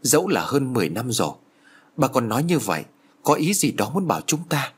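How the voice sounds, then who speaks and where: A man's voice: medium pitch, very animated, a little fast, husky. A man voicing a grieving older mother, speaking in a trembling, fearful way. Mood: shaken.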